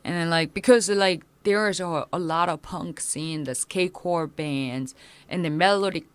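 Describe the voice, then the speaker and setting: A punk musician in her thirties, a native Korean speaker, talks in English during a relaxed interview, hesitating with many fillers and restarts. Her voice is on the low side and clean-toned, with no echo.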